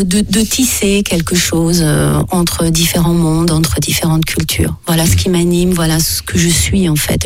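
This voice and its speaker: A woman's voice: lowish voice, no room sound. A woman singer, born in France with Portuguese as her first language, recounting her life story thoughtfully with frequent hesitations. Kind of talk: personal interview storytelling.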